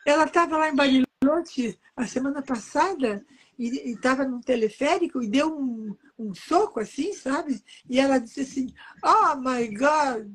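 A woman's voice: sits high, normal speed, slightly rough, poor audio. A woman in her eighties, from Brazil, chatting in an interview as a doting grandmother who reads aloud from her books and keeps pointing at the pages. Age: 80s. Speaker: author and guest.

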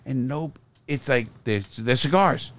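Brash joking podcast host, middle pitch. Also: male voice, unhurried, slight background noise. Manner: loud, laughing storyteller who swears and jokes. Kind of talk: casual chat.

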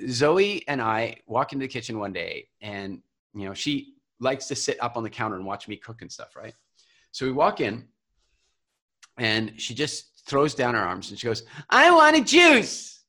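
A man guest on an interview, telling parenting stories in a casual, animated way and often repeating words as he starts. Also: mid-range voice, moderate pace. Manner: animated storyteller, acts out voices. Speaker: guest, parenting and business coach.

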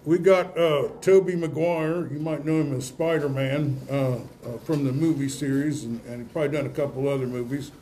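Male host for casual sports awards chat; folksy, stumbling delivery, slightly high pitch, light noise behind. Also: fairly even intonation, dark tone, poor audio. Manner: halting, folksy, repeats himself. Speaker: radio host interviewing award winners.

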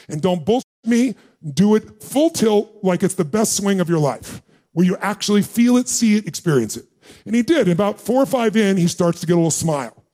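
A man's voice: sits high, darkish tone. A middle-aged man speaking live to an audience, telling a punchy story, acting out quoted dialogue and asking the crowd questions. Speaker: motivational speaker.

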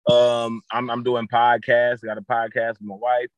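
A man's voice: mid-range voice, monotone, normal speed, no echo. A man in his thirties, a guest and football coach, talking casually on a podcast with many fillers and restarts. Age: 30s.

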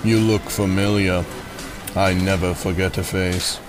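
Casting: male actor as deep-voiced carnival master, unhurried, ominous, slyly polite, audio drama with music underneath. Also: level tone. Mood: sly, amused. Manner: slow, ominous, poetic, menacingly polite. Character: sinister, knowing carnival showman, smooth and philosophical. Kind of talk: dark audio drama acting.

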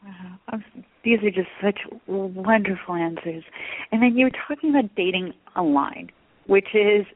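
A woman's voice: medium pitch, moderate pace, dry recording. A woman hosting an interview, enthusiastic and effusive as she asks her questions, heard over a phone-like line. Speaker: host. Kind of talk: radio interview.

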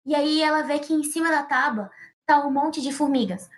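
A woman's voice: high-pitched, moderate pace. Playful woman improvising a story. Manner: playful, rambling with asides.

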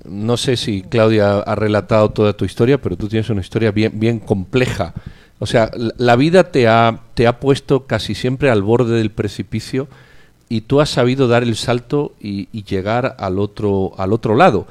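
A man's voice: lowish voice, moderate pace, darkish tone. A man co-hosting an interview, asking a long, emphatic rhetorical question. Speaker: interview co-host.

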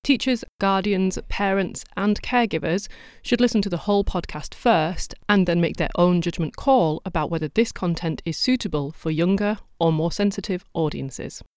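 A woman's voice: fairly low pitch, normal speed, hardly any pauses, darkish tone, smooth, dry recording. A woman hosting a podcast, delivering scripted documentary narration with dry, wry asides. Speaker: podcast host.

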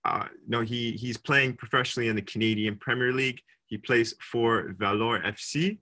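A man's voice: mid-range voice, fairly even intonation, moderate pace, bright, forceful tone. A man hosting a soccer interview show, introducing his guest and asking friendly questions. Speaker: podcast host, interviewer.

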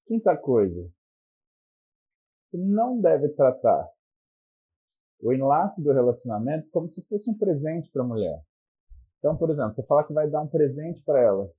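A man's voice: fairly high pitch, big pitch swings, moderate pace, pauses often, husky, narrow, tinny audio. A man with a Brazilian Portuguese accent giving blunt, profane relationship advice in a crude comic monologue.

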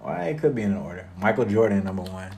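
A young man from South Florida, a guest music artist talking about his life in a relaxed interview, with many fillers. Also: lowish voice, quick pace, creaky, a little hiss or hum. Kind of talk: casual interview conversation.

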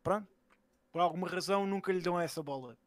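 Fast-talking Portuguese man, blunt and slangy. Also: high voice, no echo. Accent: European Portuguese. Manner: blunt, slangy, sweary, repeats himself. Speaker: podcast co-host. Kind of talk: casual banter and commentary.

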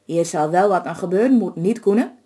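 A woman's voice: on the low side, lively intonation, fairly quick, mellow, close to an everyday voice. A woman doing a plain-spoken village baker. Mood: matter-of-fact. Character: village baker, practical and helpful man.

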